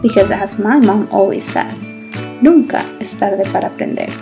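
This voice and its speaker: A woman's voice: mid-range voice, normal speed. A woman host reading the upbeat scripted intro of her podcast. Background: intro music.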